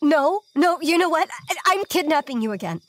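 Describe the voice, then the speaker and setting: High-voiced, stubborn runaway woman. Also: lively intonation, normal speed, fairly bright tone, no room sound. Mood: angry, insistent. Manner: casual, blunt, swearing. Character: defiant, foul-mouthed runaway woman, stubborn and desperate. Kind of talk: naturalistic audio drama acting.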